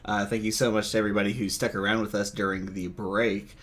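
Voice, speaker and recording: A man's voice: fairly low pitch, flat delivery, quick pace, fairly bright tone. Breezy male podcast co-host. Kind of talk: casual chat.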